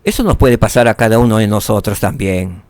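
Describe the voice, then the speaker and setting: A man teaching a scripture lesson, asking rhetorical questions and dropping to soft tones for emphasis. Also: fairly low pitch, brisk, dry recording.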